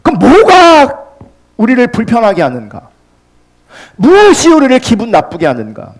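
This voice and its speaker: Male pastor, high voice, wildly swooping delivery, passionate sermon, loud peaks and hushed drops. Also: wildly swooping pitch, normal speed. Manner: impassioned preaching, swinging from loud peaks to hushed lines.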